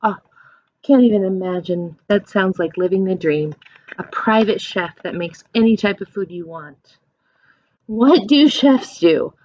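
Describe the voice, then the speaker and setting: A woman doing a children's read-aloud as a teacher, explaining things in simple questions and animated, encouraging asides. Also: mid-range voice, measured pace, dry recording, muffled recording.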